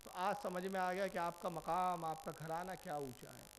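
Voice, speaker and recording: A male preacher giving a Muharram sermon, telling stories with animated delivery, acting out dialogue and putting questions to his listeners. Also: high-pitched, slight background noise.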